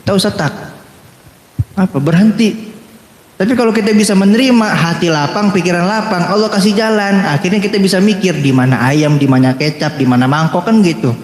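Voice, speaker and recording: A man preaching a lively sermon, joking and asking his audience questions. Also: high-pitched, a little fast. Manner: animated, playful, asks the crowd questions. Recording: echoey hall with long reverb.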